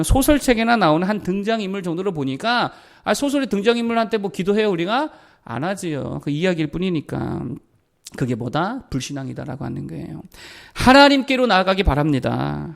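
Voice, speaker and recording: A middle-aged male pastor preaching a sermon, who asks his congregation rhetorical questions, answers them himself, and slows down when reading scripture aloud. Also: high-pitched, gravelly.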